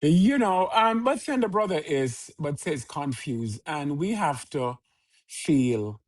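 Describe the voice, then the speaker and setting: A man, a podcast guest who speaks in a measured, preaching cadence with repeated phrases. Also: fairly high pitch, expressive. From Jamaica. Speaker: podcast guest, organization leader. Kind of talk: earnest conversational interview answers.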